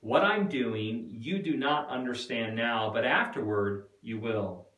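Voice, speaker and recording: Man as calm rabbi and teacher, resolute, measured, instructive, biblical dramatic reading, roomy distant sound. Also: medium pitch, muffled recording. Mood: calm, firm. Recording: echoey room, distant mic.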